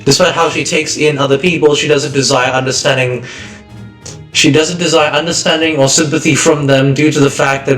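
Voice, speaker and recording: A man streaming a game, reading story text aloud with wry joking asides, slightly hoarse. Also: medium pitch, fairly bright tone. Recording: roomy distant mic, music behind.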